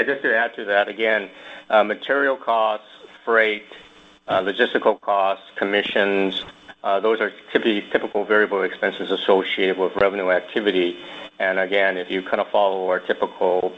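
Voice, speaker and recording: Low-voiced male executive on muffled call. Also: little pitch movement, normal speed, slight background noise. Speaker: company executive. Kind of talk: measured business answers on earnings call. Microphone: conference call line. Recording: dull conference call audio.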